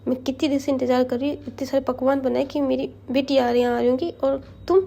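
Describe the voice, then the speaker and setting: A woman's voice: high-pitched, fairly even intonation, fast, creaky, warm tone. A woman voicing a stern yet loving middle-aged mother who scolds with drama. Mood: angry, scolding. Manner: scolding, then doting.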